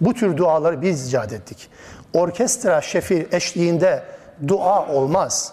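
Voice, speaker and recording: This man has a high pitch and a dark, mellow tone. He talks at a very slow pace with lively intonation. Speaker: Quran exegesis teacher. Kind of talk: lecture. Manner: speaks aloud to be heard.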